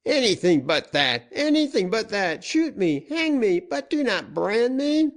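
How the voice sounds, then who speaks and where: A man's voice: lowish voice, lively intonation, takes it slowly. A man voicing a fierce, vengeful male outlaw captain in a dime-novel reading, snarling and threatening. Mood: pleading.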